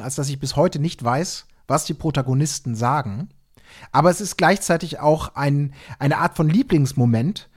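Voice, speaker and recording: A man co-hosting a podcast, telling anecdotes casually and haltingly, often repeating words. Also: on the high side. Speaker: podcast co-host.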